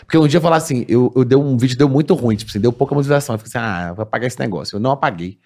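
A man chatting casually and animatedly, telling stories in slang-filled speech. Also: medium pitch. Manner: fast-talking, animated storyteller with slang. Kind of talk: casual chat.

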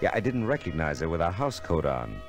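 Wry tough private eye, low voice that swings around a lot, old radio show w music behind. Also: male voice, sing-song, a little fast, creaky, full character voice. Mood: wry, world-weary. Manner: wry, laconic, insistent. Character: hard-boiled, wisecracking male private eye. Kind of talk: 1940s radio detective drama narration and dialogue.

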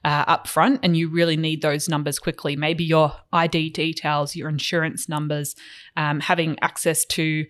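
A podcast co-host explaining finances in a steady, measured way with some filler words. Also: medium pitch.

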